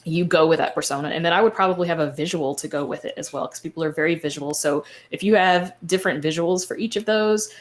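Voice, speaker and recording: A woman speaking as a podcaster on a panel, giving informal, explanatory advice in a conversational way. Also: sits low.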